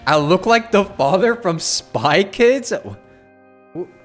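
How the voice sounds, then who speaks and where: A man's voice: high voice, animated, slow pace, faint music behind. A man live-streaming a game with casual, sweary, joking commentary to his chat, often exclaiming.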